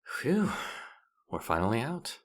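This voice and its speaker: A man's voice: medium pitch, huge pitch swings, slow, exaggerated voice. A man playing a playful, boastful demon guide to the afterlife in a roleplay audio drama, with a smug, teasing, theatrical delivery. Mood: relieved, boastful.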